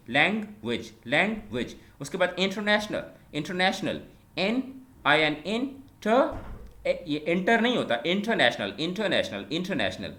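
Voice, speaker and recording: Bright-voiced male English tutor. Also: on the high side. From Pakistan. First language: Punjabi. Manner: sounds words out slowly, repeating each one many times. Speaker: English teacher. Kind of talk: online exam-prep lecture.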